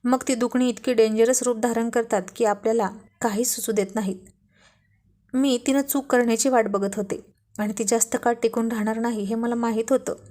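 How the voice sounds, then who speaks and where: A woman's voice: on the high side, level tone, normal speed, mellow, close to an everyday voice. A woman voicing a clever, affectionate young wife who speaks with confidence in a read-aloud love story. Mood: knowing. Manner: confident, teasing. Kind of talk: storybook reading.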